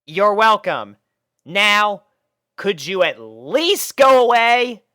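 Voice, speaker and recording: A cocky female pegasus pony from a storybook reading, all bluster and attitude, voiced by a man straining up into falsetto. The voice sits very high and pushes loud and forceful. The recording is close and dry, with no room sound. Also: big pitch swings, takes it slowly, no echo, heavily acted.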